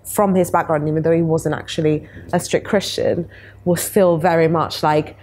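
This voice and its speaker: A young Italian woman in her twenties appears as a panel guest in a bright studio room with a city view, talking candidly and chattily in a casual discussion and laughing easily. Her voice is low, steady and a little mellow at normal speed, with a faint hiss or hum.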